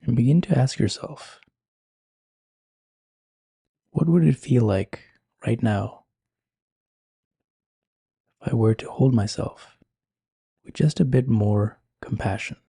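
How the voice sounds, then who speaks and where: A man speaking slowly and gently with long pauses, guiding a meditation in a soft, breathy voice. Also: mid-range voice, no room sound, studio quality. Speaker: meditation guide. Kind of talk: guided meditation.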